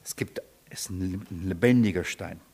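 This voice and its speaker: A man preaching a sermon, animated, asking the congregation questions and repeating sounds to imitate a foreign tongue. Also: low voice, normal speed, breathy edge. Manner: animated, repeats nonsense syllables to mimic foreign speech.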